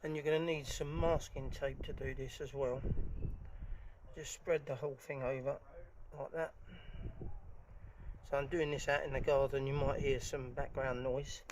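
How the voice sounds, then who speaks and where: A man's voice: mid-range voice, level tone, normal speed. A man presenting a hands-on DIY tutorial in an informal way, talking as he works. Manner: informal, talking while working. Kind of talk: casual hands-on tutorial narration. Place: outdoors in a garden for part of it. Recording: noisy, clicks and handling sounds.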